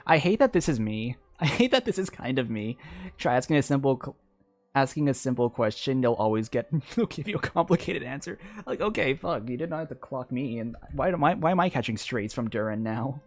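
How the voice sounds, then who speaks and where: A man giving casual live game commentary as a streamer, rambling and excitable. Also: mid-range voice, a little fast, no echo. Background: faint game music.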